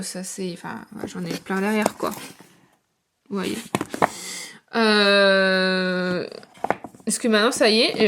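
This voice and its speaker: A woman's voice: medium pitch, fairly bright tone, slight background noise. A young woman showing her bookshelves in a casual vlog, rambling with lots of fillers. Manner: chatty, rambling with many fillers. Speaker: booktuber and author. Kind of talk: casual book-collection vlog. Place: home room with bookshelves.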